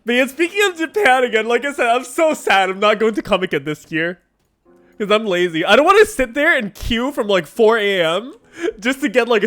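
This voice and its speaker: This is a young man hosting a game livestream and chatting with viewers. His voice sits high and moves all over the place, animated and quick to laugh. Faint music plays quietly underneath. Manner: animated, laughs often, heavy use of "like". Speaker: game streamer. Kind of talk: casual livestream chat answering viewers.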